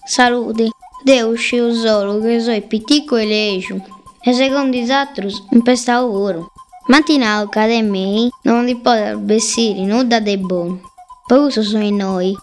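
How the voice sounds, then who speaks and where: A woman's voice: fairly high pitch, steady tone, measured pace. A woman voicing a tiny, lonely black seed, speaking plaintively in a storybook reading. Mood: hurt. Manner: plaintive, lamenting. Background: faint music.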